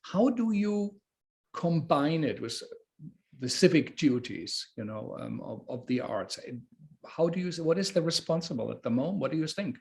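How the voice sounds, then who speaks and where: A man hosting a thoughtful, casual interview, speaking in a halting, loosely phrased way as he works through his questions. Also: fairly high pitch, very animated, gravelly, darkish tone. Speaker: host, interviewer.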